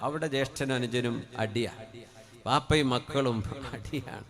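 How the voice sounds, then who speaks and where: A man preaching a sermon into a microphone. He moves between quiet conversational asides and loud, drawn-out chanted passages. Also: medium pitch, crowd noise. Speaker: Islamic preacher.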